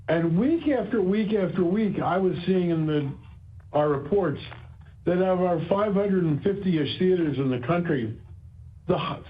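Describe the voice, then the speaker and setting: A man speaking as a company executive on an earnings call, explaining in a halting way and repeating phrases for emphasis. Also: on the high side, a little hiss or hum. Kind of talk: earnings call remarks, semi-prepared explanation. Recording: dull, band-limited conference call audio.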